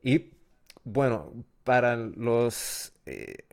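A man's voice: medium pitch, lively intonation, extremely slow, creaky. A man who is not a native Spanish speaker, co-hosting a casual podcast as a learner and hesitating while he searches for words.

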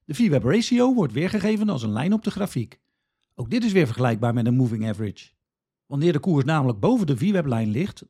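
A man's voice: on the high side, dark tone, breathy edge. A man from the Netherlands, hosting a podcast with scripted, instructional explanations addressed directly to the listener. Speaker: podcast host.

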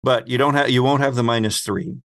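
A man working as host and game master, narrating an improvised story in a conversational way, pausing to search for words. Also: medium pitch, steady tone, fairly bright tone.

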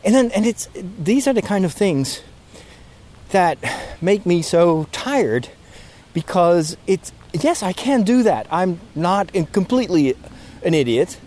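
A man with a sore throat thinking aloud about his fatigue as he walks outdoors in a park, speaking haltingly with many restarts. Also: sits high, sing-song, a little mellow. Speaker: podcast host. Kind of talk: casual spoken reflection, walking outdoors. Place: outdoors in a park near road works.

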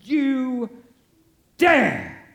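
A man's voice: very high voice, expressive, very slow, vocal fry, fairly bright tone, full character voice. A man playing a grumpy, miserly old businessman in a stage radio play, curt, scolding and theatrical. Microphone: shared stage microphone. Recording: live stage recording with music.

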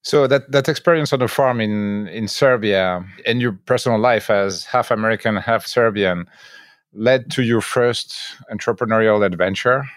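Low-voiced man interviewing, dry sound. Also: moderate pace, dry recording. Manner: hesitant, repeats words.

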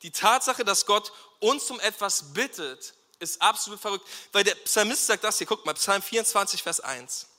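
A man preaching a lively sermon to a congregation, acting out short quoted exchanges and asking the audience to repeat words. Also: high-pitched, big-room sound. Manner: acts out Jesus and bystanders in quick quoted asides. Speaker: pastor.

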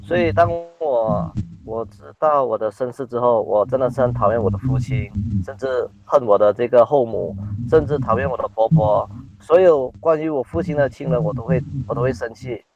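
A young man from Malaysia telling his personal testimony, speaking hesitantly with halting restarts. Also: medium pitch, a little mellow, dull audio, soft background music.

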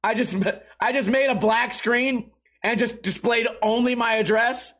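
Hoarse high-voiced man rambling on a stream. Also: steady tone, a little slow, fairly bright tone. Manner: loose, rambling and profane. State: hoarse, losing his voice. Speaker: podcast and stream host. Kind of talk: casual livestream chat.

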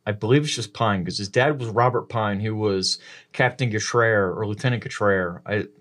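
A man co-hosting a podcast in casual chat, blunt and free with swearing, with halting asides. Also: on the low side, fairly bright tone. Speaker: podcast co-host.

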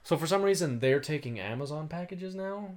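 A man co-hosting a podcast in casual chat, rambling with a calm, soothing voice, swearing and saying "like" a lot. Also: a little high, brisk. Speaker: podcast co-host.

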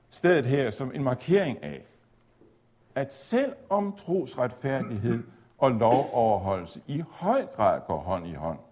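A man giving a measured, explanatory theology lecture, at times pausing on fillers. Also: medium pitch, mellow, husky. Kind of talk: spoken lecture on Luther's reading of Galatians.

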